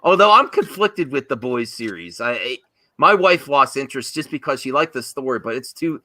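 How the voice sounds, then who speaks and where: A man's voice: medium pitch, very animated, normal speed, sharp tone, no echo. A man hosting a casual panel discussion, insistently repeating himself to get his point across. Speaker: host of a movie discussion show.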